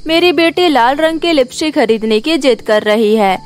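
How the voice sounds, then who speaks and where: A woman's voice: high-pitched, expressive, normal speed. A woman voicing a brusque, bargaining mother out shopping in a cartoon moral story, talking curtly. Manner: curt, bargaining. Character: brusque, haggling mother out shopping with her daughter.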